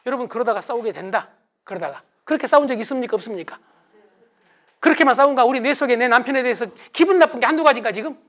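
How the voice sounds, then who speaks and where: A middle-aged man giving a motivational lecture to an audience, acting out quarrels in a raised voice. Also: very high-pitched. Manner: animated, acts out quarrels in raised voice.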